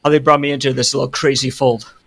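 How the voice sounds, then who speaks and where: A man's voice: medium pitch, level tone, fast talker, vocal fry, fairly bright tone. A man calling in to a show as a guest, bantering casually in a playful, teasing way. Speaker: call-in guest.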